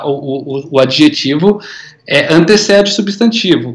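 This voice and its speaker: A man's lively intonation against noticeable background noise. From interior of São Paulo state, Brazil. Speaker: book editor. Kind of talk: interview. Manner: hesitant with frequent fillers.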